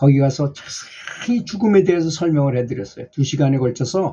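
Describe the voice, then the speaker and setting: Somewhat breathy, a man speaks at a moderate pace. His fairly high voice has lively intonation. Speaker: meditation and well-dying lecturer. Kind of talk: spoken Buddhist dharma talk. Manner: casual, conversational storytelling.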